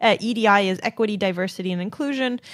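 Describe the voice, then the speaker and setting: An ordinary speaking voice with a Canadian accent at a moderate pace, dry and close with no echo, on a very clean recording with a silent background. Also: woman. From Canada. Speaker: podcast co-host. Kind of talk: casual personal conversation.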